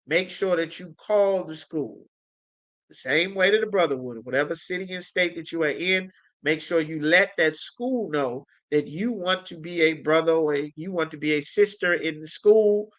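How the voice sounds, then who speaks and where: Male preacher, bright and slightly high, commanding with call-and-response asides. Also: normal speed. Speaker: teacher. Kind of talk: preaching announcements.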